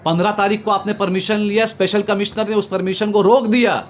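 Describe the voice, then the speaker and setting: High-pitched man arguing emphatically. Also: little pitch movement, brisk. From Bengal, India. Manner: emphatic, repetitive, oratorical lists. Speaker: political commentator being interviewed. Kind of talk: impassioned political argument. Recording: noticeable background noise.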